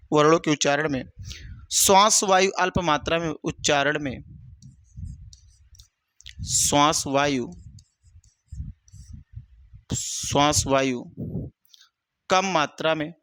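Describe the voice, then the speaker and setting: Speaking at normal speed with a fairly high pitch, fairly even intonation and a fairly bright tone, a man teaches exam-prep grammar with no echo. He asks the class questions, supplies the answers himself, repeats often, and calls students brother.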